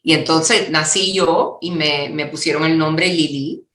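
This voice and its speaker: A woman's voice: low voice, fairly even intonation, a little slow, a bit bright, roomy sound. A woman in her sixties from Miami, born in Cuba, with a Cuban-American accent, telling personal stories conversationally as an interview guest. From born in Cuba, raised in Miami. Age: 60s.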